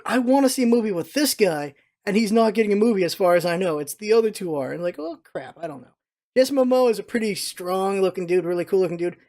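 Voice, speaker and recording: Casual video blogger, mid-range pitch, unscripted and opinionated, rambles informally through a review. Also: a little mellow.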